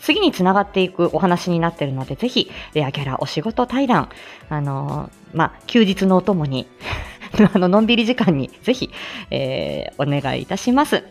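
Chatty woman hosting a live stream. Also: lowish voice. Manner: chatty, with frequent laughs and many fillers. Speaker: speech-language therapist and live stream host. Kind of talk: casual live-stream chat.

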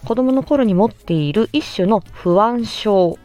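A woman who works as a speech-language-hearing therapist hosts a podcast, explaining a topic politely and with measured pauses and frequent fillers. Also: medium pitch, animated, dark tone, faint music behind.

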